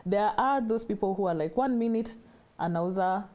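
A woman's voice: mid-range voice, normal speed, darkish tone. A middle-aged woman with a Kenyan accent, explaining reflectively in a studio interview and rephrasing points for emphasis. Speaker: guest financial consultant.

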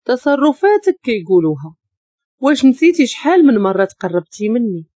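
A woman with a Moroccan accent voicing a cold young husband who dismisses his wife flatly. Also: fairly high pitch, brisk, dry recording, lo-fi sound. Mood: dismissive.

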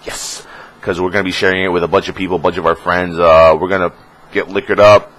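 Speaking fast in a level, slightly bright tone, a young man rambles casually on his streamer vlog, packed with fillers and curse words, and imitates trolls in squeaky voices to mock them. The audio is poor, with a little hiss or hum.

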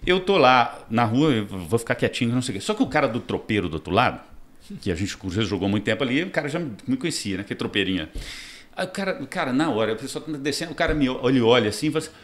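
A man's voice: mid-range voice, fast. A man telling a story as a guest in a casual podcast chat. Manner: animated, laughing storyteller. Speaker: guest impressionist.

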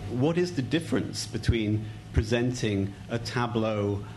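A man in the audience asking a question into a handheld mic, halting and repeating words. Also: mid-range voice, lively intonation, background noise. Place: bookshop event audience.

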